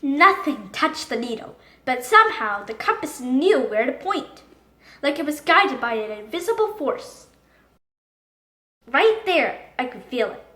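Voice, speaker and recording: A woman reading a children's book aloud in an expressive, dramatic storytelling manner. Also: sits high, unhurried. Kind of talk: animated storybook narration. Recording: echoey room.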